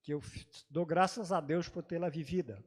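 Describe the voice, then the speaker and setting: Male panelist, native German-dialect speaker, hesitant reminiscing delivery, slightly high voice. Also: darkish tone. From Brazil, grew up in Santa Catarina. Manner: halting, many hesitations and restarts. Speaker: panelist at a theology congress. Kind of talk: personal recollection in a panel talk.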